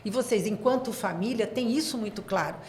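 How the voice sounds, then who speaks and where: Female co-host, mid-pitched voice, affirming tone, faint room noise. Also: a little fast, darkish tone. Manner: affirming, sums up points. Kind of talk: business interview.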